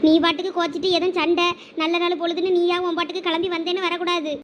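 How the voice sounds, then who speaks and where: Woman, Thoothukudi Tamil accent, village comedy drama dialogue, very high voice, rapid chatty scolding. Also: flat delivery, slight background noise.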